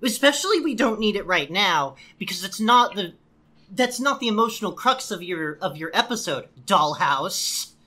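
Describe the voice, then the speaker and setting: A woman co-host recapping a show in casual chat, sarcastic and animated. Her voice is bright and sits in a middle pitch. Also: moderate pace. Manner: sarcastic, animated storytelling with laughs. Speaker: podcast co-host.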